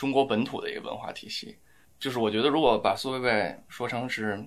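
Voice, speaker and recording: A man talks in an ordinary speaking voice. His pitch is medium and his intonation fairly even. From Beijing. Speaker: documentary director and PhD student. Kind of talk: casual chat.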